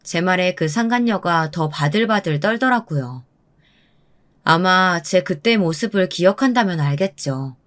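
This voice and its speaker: A woman narrating a true-story radio drama in a calm, cold and firm voice. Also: on the low side, measured pace.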